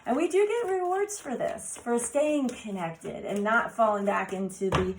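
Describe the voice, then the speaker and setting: Heavy background noise surrounds this card reader, a woman with a fairly high, laryngitis-roughened voice speaking at a measured pace. She reads oracle cards for viewers, exclaiming eagerly in a soft, wandering manner.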